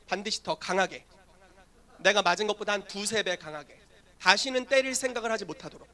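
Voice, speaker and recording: A pastor delivering a sermon in a high, bright voice. He tells stories with animation and keeps asking his listeners whether they understand. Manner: animated storytelling, asks the congregation questions.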